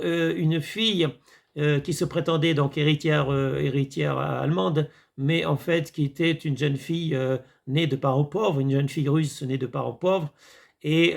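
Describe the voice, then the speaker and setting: Male commentator, gravelly and fairly high, rambling and hesitant, chatty monologue to viewers. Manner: rambling, hesitant with many fillers, addresses viewers as friends. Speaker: video commentator. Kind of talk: casual monologue reviewing a series.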